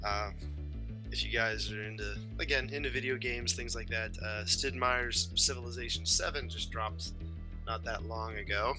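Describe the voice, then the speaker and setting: A man's voice: mid-range voice, fairly even intonation, normal speed, over music. A man co-hosting a podcast in an easygoing, playful way. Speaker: podcast co-host. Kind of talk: casual podcast chat.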